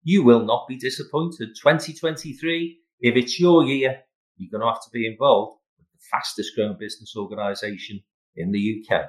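A man's voice: medium pitch, a little fast, low-quality recording. A man speaking as a podcast host, presenting and promoting in an emphatic, salesman-like way. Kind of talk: podcast interview and promotional announcements.

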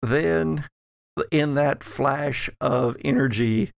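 A man acting as game master, narrating a tabletop role-playing game in measured phrases with dramatic pauses. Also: medium pitch, gravelly, dry recording.

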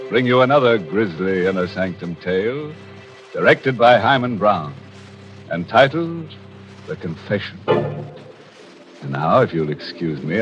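Very deep, gleefully macabre American horror host. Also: male voice. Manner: sardonic, theatrical, chuckling. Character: gleefully macabre male horror-show host cracking grim puns. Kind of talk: 1940s radio horror hosting. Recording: dull vintage radio recording.

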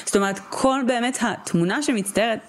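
A young woman co-hosting a podcast in casual chat, talking fast and freely with lots of fillers. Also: on the high side. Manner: talkative, quick, with many "like" fillers. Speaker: podcast co-host.

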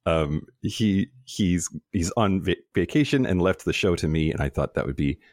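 An enthusiastic man hosts a casual podcast in a slightly low voice with very animated intonation. The recording is close and dry. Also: normal speed, dry recording. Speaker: podcast host. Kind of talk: casual, upbeat podcast chat.

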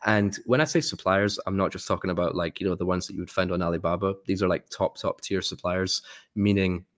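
Deep, flat-voiced man. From Scotland. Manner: friendly, upbeat, explains in quick lists. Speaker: guest, sourcing expert. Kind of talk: casual interview talk.

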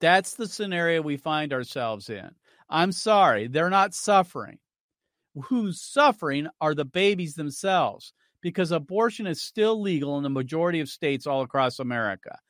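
Emphatic talk radio host, dry sound. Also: male voice, on the high side, expressive, normal speed, a bit bright, dry recording. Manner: emphatic, argumentative, cues clips to play. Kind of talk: opinionated radio talk commentary.

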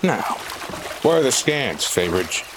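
A man playing a gruff, no-nonsense veteran treasure hunter, terse and practical, in an action-adventure drama. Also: mid-range voice, sing-song, slow, noisy background. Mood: dry. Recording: music behind the voice. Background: music.

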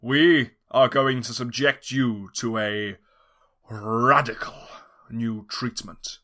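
A man voicing a pompous, nerdy mad scientist man who speaks in slow, grandiose proclamations. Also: medium pitch, steady tone, bright, forceful tone.

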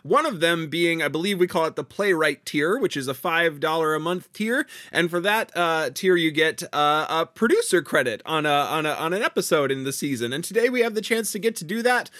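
Male co-host, fairly high voice, slight gravel, halting delivery, dry mic. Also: animated, bright, forceful tone, no echo. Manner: halting, many fillers and restarts, riffing. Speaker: podcast co-host. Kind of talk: casual podcast chat and patron thanks.

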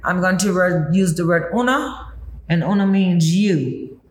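A woman's voice: lowish voice, fairly even intonation, unhurried, a little mellow, roomy sound. A woman whose first language is Gullah, with a Southern Black Gullah Geechee accent, explaining things instructively as a tour guide in conversation. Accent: Gullah Geechee, Southern Black American. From Gullah Geechee community of Pinpoint, coastal southern US. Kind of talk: explanatory interview talk.

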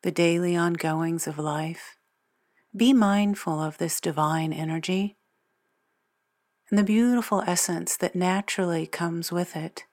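Leading a guided meditation, a woman with a fairly low, somewhat dark voice delivers slow, deliberate phrases with long pauses between them.

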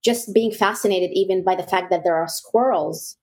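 Casting: young woman from Egypt, mid-range voice, relaxed interview guest, warm and laughs easily. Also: mid-range voice, normal speed. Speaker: guest, real estate broker. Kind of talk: casual interview chat.

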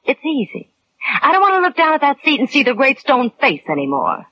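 A brassy carnival dancer who talks tough and snappy. Her voice is high and bright with big swings, in old-time radio crime drama style. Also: huge pitch swings, brisk, full character voice. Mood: tough, suspicious. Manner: slangy, snappy, combative. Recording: muffled, hissy vintage radio recording.

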